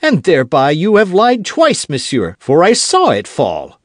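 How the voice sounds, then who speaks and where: A man voicing a hot-headed young Gascon swordsman who talks high and loud, full of pride and quick to take offence. His lines leap up and swoop back down, eager and challenging, read close to a dry mic in an audiobook. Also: big pitch swings, no echo. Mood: indignant, fiery. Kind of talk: audiobook character voice.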